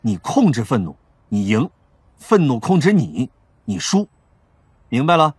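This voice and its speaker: Cool, cocky male police captain, husky, very dry close sound, audio drama. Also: mid-range voice, very animated, a little slow, dry recording, heavily acted. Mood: firm. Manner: leisurely, teasing, firm.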